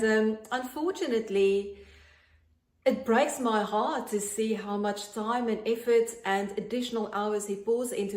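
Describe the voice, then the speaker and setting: A South African woman in her late forties who speaks in an earnest, chatty way and often pauses on ums. She sits at a middle pitch for a woman. The room around her has a clear echo. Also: darkish tone. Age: 40s. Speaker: online business promoter. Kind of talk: direct-to-camera pitch.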